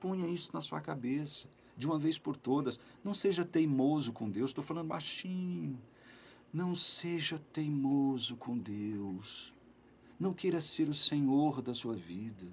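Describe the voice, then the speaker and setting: In a Brazilian accent, a man speaks at a very slow pace with a fairly high pitch and lively intonation. The background is quiet. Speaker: online preacher. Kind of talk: sermon. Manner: emphatic, repetitive exhortation.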